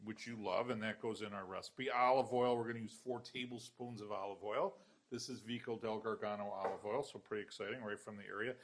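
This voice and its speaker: A man's voice: fairly low pitch, steady tone, a little fast. A man hosting a casual cooking show in a kitchen, chatting and teasing his guest. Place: home-style kitchen.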